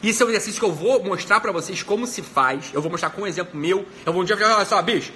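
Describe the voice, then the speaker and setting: A Brazilian man gives a motivational self-help talk in a high, bright voice. He talks fast and bluntly, swearing freely and repeating key phrases. A faint noise sits under his voice. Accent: Brazilian Portuguese. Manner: blunt and profane, emphatic repetition. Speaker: psychiatrist.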